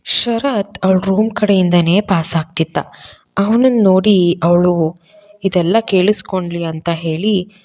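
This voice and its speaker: A woman's voice: fairly low pitch, a little slow, a little mellow. Woman narrating a serial love story. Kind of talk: scripted audio story narration.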